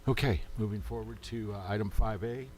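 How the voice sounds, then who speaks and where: Deep-voiced man chairing a meeting. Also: fairly even intonation, darkish tone. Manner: brisk, procedural. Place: council chamber.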